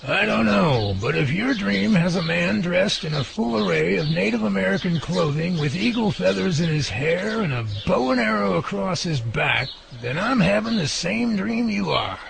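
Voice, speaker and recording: An actor playing an earnest, curious man who leads a team of creature researchers in an audio drama, speaking deliberately. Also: sits high, animated, creaky, crowd noise, full character voice. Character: earnest, curious male Bigfoot researcher leading his team.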